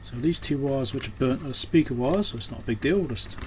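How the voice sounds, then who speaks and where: Male repairer, medium pitch, casual hands-on commentary, unscripted and trailing off, audible background noise. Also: a little fast. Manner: unscripted, thinking aloud, trailing off mid-thought. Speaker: electronics repairer and video host. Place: indoors at a repair workbench. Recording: clear background noise, room ambience.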